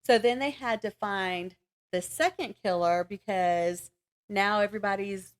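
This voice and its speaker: A woman's voice: mid-range voice, measured pace. A woman podcast co-host chatting casually about books in a rambling, giggly way. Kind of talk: casual book chat.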